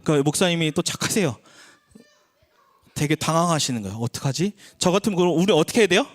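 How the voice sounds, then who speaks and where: A man's voice: expressive, quick pace. A man in his thirties preaching a sermon as a pastor, talking with the congregation in a conversational way and acting out the people he quotes. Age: 30s. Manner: conversational preaching, acts out quoted voices with shifts in pitch. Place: church sanctuary.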